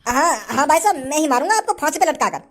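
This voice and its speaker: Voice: sits high, animated, quick pace, a bit bright. A performer voicing a dutiful male hangman in a cartoon, speaking politely in rustic speech.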